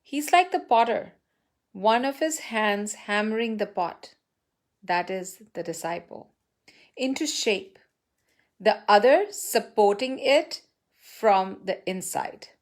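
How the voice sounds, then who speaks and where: A woman reading a written devotional testimonial aloud in a reverent, measured way, phrase by phrase with pauses. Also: medium pitch, animated.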